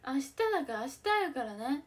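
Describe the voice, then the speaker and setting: A young woman giving casual live-stream commentary on a baseball game. She reacts out loud with excitement and often drops into a whisper. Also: high voice, a little fast.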